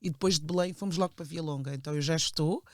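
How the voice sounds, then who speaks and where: A woman's voice: low voice, very fast, slight background noise. A woman, chatting casually as an interview guest, often laughing and slipping into English phrases. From Portugal and England. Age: 40s. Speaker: podcast guest, teacher.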